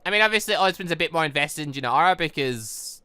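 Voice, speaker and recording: Lively, bright-voiced man rambling over a game. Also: fairly high pitch, quick pace, clean tone, no room sound. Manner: rambling, self-interrupting. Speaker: gaming channel host. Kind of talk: casual playthrough commentary.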